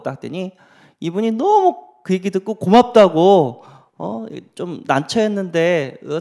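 A man's voice: on the high side, darkish tone. A middle-aged man preaching, telling personal stories and asking the audience rhetorical questions. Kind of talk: sermon storytelling.

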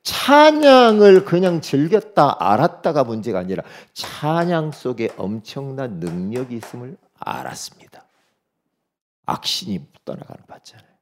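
A man preaching a sermon, retelling a story with animated delivery and acting out the characters' dialogue. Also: medium pitch, moderate pace. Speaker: pastor.

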